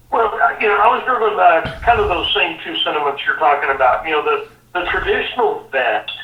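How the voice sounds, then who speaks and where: A man with an American accent talks fairly quickly while noticeable noise carries on behind him. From South Texas. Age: 60s. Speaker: hunting gear entrepreneur. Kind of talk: podcast interview. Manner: halting, repetitive.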